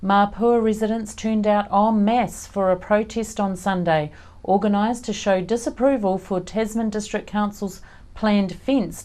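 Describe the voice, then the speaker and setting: A woman presents regional television news from a script. Her voice is soft-edged and mellow, at a middling pitch.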